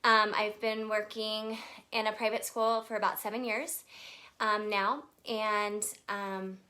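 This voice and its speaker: Bright, chatty woman in her thirties. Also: mid-range voice, flat delivery, takes it slowly. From Texas. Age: 30s. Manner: chatty, nervous, greets viewers by name. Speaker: livestream presenter. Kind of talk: casual live video chat.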